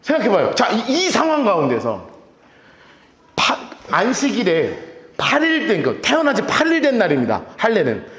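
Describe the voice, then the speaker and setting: A man preaching a sermon as pastor, playful and animated, acting out little scenes as he teaches. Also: high-pitched, moderate pace, roomy sound. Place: church.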